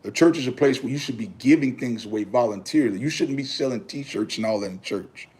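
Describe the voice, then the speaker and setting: A man's voice: mid-range voice, a little fast, darkish tone, husky. Guy in his 30s on a livestream, preachy, keeps circling back, talks to y'all like church folks. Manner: preachy, repeats himself, talks to viewers as y'all and brother. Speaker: livestream host. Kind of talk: casual livestream chat.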